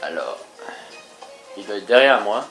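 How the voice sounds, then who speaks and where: A Québécois man chatting over his game in an unhurried, easygoing way. His pitch moves a lot, rising and dipping with each joke and aside. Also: soft background music, low-quality recording. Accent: Québécois French. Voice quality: lively, joking, mock sportscaster asides. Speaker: gaming video host. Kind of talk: casual let's play commentary.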